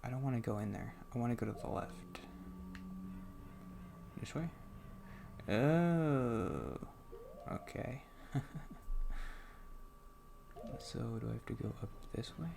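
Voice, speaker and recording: A soft-spoken man with a quiet voice, halting and muttering to himself as he plays through a game, on a microphone turned up high. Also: animated, gravelly, noisy background. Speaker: gaming channel host. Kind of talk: casual gameplay commentary. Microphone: computer microphone turned up loud.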